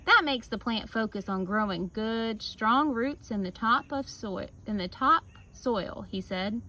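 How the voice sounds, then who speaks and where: A woman reading a picture book aloud like a teacher, with casual asides and expressive, drawn-out emphasis on key words. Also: on the high side, a little hiss or hum. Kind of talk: children's story read-aloud with casual asides.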